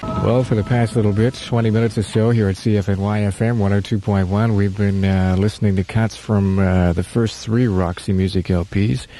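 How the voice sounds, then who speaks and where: A man hosting a radio album show, giving measured, informative commentary between records. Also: on the low side, steady tone, warm tone, faint music behind. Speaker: radio host. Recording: slightly muffled archive radio aircheck.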